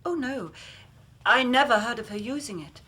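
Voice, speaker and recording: Actress as anxious young Victorian lady, polite, slightly high and breathy. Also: lively intonation, moderate pace, pushed and bright, full character voice. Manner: polite, nervous.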